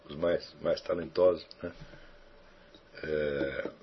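A man's voice: rumbling low, steady tone, slow, a little hiss or hum. A man, a philosophy teacher answering student questions in a rambling, reflective way with frequent tag questions. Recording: dull lo-fi recording.

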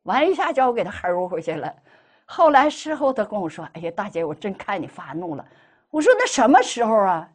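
A middle-aged woman with a medium-pitched voice speaks fairly quickly, giving a personal testimony as a Buddhist lay speaker. She is animated and acts out the dialogue she quotes.

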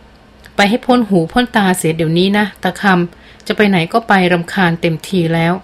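A woman voicing a calm, kindly but firm veteran male hunter. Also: fairly low pitch, moderate pace, close to an everyday voice. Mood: annoyed. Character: seasoned male big-game hunter, calm, protective.

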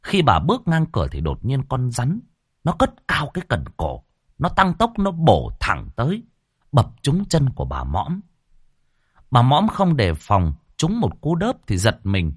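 A man telling a dramatic story with vivid, expressive narration. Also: mid-range voice, unhurried, husky, no echo, clean studio sound.

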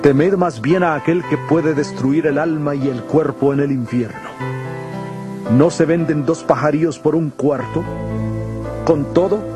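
A man playing Jesus as a solemn, authoritative teacher, exhorting in measured phrases in a dramatized scripture reading. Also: fairly high pitch, music in the background, close to an everyday voice. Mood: solemn, reassuring.

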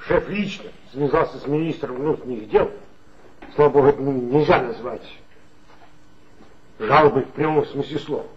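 An actor playing an anxious, pompous police chief in a 1960s radio play, talking insistently and emphatically. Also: male voice, medium pitch, moderate pace, long pauses, close to an everyday voice. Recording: dull 1960s studio recording.

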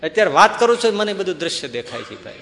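A man gives a spiritual discourse in a slightly high voice that rings through a large reverberant hall. He tells his parable with lively changes of tone, acting out the exchanges between its characters. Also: very fast, gravelly. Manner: animated storyteller acting out dialogue. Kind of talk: devotional storytelling sermon.

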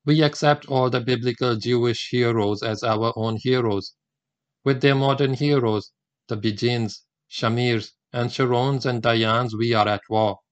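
A man, a Gujarati speaker, delivering a prepared religious lecture in a measured, deliberate way that counts off his points. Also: medium pitch, fairly even intonation, no room sound, muffled recording. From India.

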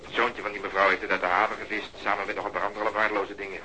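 Teasing police colleague, lowish but piercingly bright, sly, drawn-out delivery, radio crime play. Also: male voice, flat delivery, a little hiss or hum, rough recording. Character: teasing, long-winded male police colleague. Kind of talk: Dutch radio crime drama acting.

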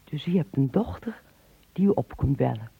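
A muffled, dry old radio play recording. a lonely, nosy elderly woman with a husky voice and lively swings of pitch, insistently asking questions. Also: normal speed, full character voice. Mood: curious, wistful. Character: lonely, inquisitive old woman starved for company. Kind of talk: radio drama acting.

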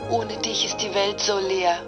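Actress as sad pleading online girlfriend from russia, medium pitch, romantic radio play, bit of music behind. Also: fairly even intonation, unhurried, natural voice. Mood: tender, longing. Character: sorrowful, pleading female online sweetheart from Russia, evasive, romantic. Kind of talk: German radio drama acting.

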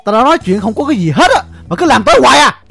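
An actor with a Southern Vietnamese accent playing a timid husband who pleads in a flustered way in an audio drama. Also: male voice, very high-pitched, big pitch swings, very fast, vocal fry, sharp tone, slightly rough, soft background music, full character voice. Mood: pleading. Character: harried timid husband caught between two women.

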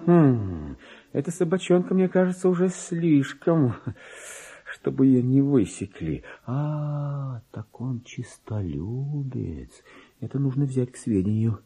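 An actor playing a self-important lowly clerk sliding into madness, muttering and exclaiming abruptly in a theatrical radio monologue. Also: male voice, expressive, takes it slowly, warm tone, breathy edge, faint music behind, full character voice. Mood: indignant, suspicious.

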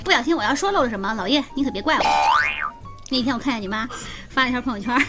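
Bright-pitched woman radio host with a lively storytelling delivery and music underneath. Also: rapid-fire. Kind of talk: radio comedy chat. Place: radio studio.

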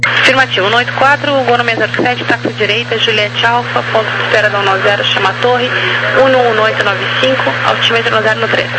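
A woman's voice: on the high side, steady tone, quick pace. A woman with a Brazilian accent giving procedural air traffic control instructions over a two-way radio. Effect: two-way radio transmission. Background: loud radio noise.

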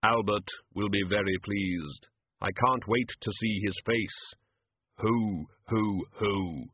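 A man voicing Death as a calm, slow-spoken male figure with a measured, dryly courteous manner in a storybook reading. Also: fairly low pitch, slightly rough, no echo. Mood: calm polite. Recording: tinny, phone-like narrow sound.

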